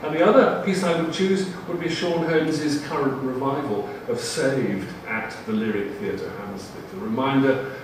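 A man giving a measured, formally phrased panel talk in a lecture room before an audience. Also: mid-range voice. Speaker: panel speaker. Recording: echoey room, far mic, audible noise.

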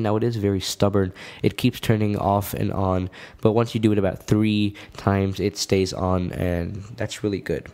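Guiding viewers through a how-to, this tech tutorial host uses a fairly low, warm voice. He breaks things down step by step in relaxed, informal wording.

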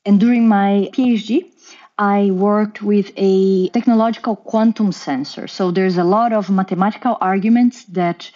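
Brazilian-accented woman, mellow muffled voice. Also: mid-range voice. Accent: Brazilian Portuguese. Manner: careful, explanatory, with occasional restarts. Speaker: guest scientist. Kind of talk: podcast interview, explaining.

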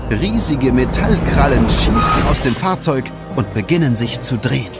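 A man tells a children's story as a dramatic narrator. His mid-pitched voice moves expressively over loud music. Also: expressive, normal speed.

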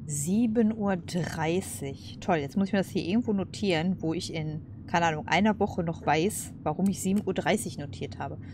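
Low-pitched woman casually commenting on a game. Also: normal speed, hardly any pauses, background noise. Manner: informal, slangy, musing aloud. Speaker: let's play host.

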